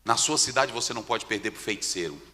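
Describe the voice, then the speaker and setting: A Brazilian Portuguese-speaking male pastor preaching a sermon, telling stories with dramatic swings from hushed tones to shouts. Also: lowish voice, animated, quick pace, long reverb tail. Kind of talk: sermon with storytelling. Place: church.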